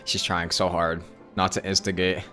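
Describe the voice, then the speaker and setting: A man's voice: low-pitched, level tone, moderate pace, sharp tone. A man streaming a game with casual, amused and rambling live reaction commentary. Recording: game music behind the voice.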